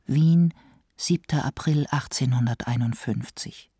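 A man with a husky voice giving scripted narration as he announces documents and dates. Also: mid-range voice, a little slow, warm tone, no room sound, clean studio sound.

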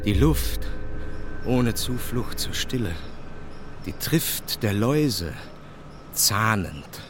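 A scornful male poet-traveller picks his way through a foul underworld. He declaims slowly in short, halting, phrases of disgust, with clearly audible music behind him in a radio play. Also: lowish voice, big pitch swings. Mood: bitter, disgusted. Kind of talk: German radio play, poetic recitation of a modernist epic.

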